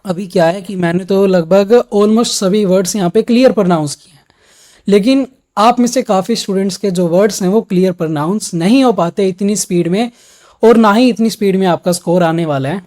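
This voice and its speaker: Speaking briskly in a high, darkish voice, a man prepares students for an exam through a video lesson, walking the viewer through each step directly.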